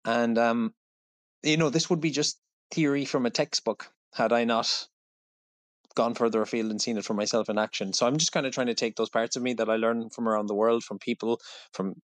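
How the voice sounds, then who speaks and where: A man's voice: mid-range voice, fairly even intonation, a little fast, dry recording. An Irish man, a fitness coach, answering interview questions thoughtfully, with frequent restarts and asides. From Ireland. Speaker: fitness coach, podcast guest.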